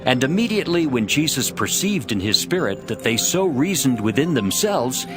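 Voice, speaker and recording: A man's voice: medium pitch, sing-song, normal speed. A man narrating a dramatized scripture reading from a script. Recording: music behind the voice.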